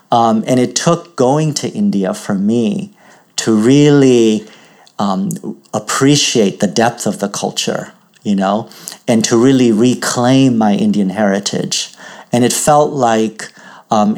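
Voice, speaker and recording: A man with a somewhat low voice speaks slowly and reflectively, as in a spiritual teaching. He is from Uganda and weighs his words carefully, often pausing as he searches for the right phrase. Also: creaky, a little mellow. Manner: thoughtful, measured, pausing to find words.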